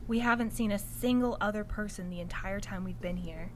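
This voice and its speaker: A woman acting in an audio drama podcast as a playful, curious but cautious companion, lightly teasing and expressive. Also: mid-range voice, fairly quick, close to an everyday voice. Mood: uneasy, curious. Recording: clear background noise, ambient sound bed.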